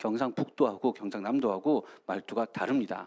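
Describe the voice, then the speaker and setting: The recording is very clean over a silent background. A man's intonation is lively. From Gyeongsang, South Korea (Pohang, North Gyeongsang; then Busan). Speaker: pastor. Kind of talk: sermon. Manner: hesitant with many fillers.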